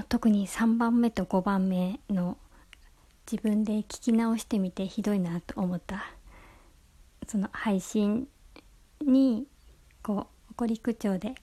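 A woman with a Hakata accent hosting a calm bedtime talk show, speaking softly and slipping into whispers. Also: mid-range voice. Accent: Hakata dialect. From Hakata, Fukuoka. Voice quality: soft, often whispered. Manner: relaxed, unhurried. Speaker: podcast host.

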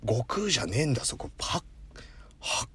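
A man hosting a casual solo talk show, telling a story in rough slang with playful self-mockery and sudden acted-out voices. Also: mid-range voice, moderate pace, crowd noise. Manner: animated, jumps into acted-out voices. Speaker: podcast host.

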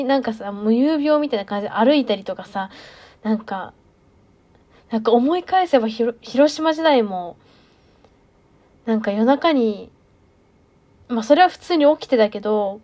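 Chatty young woman, fairly high voice. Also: a little mellow. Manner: chatty, self-deprecating, many fillers. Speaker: podcast host. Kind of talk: casual solo monologue.

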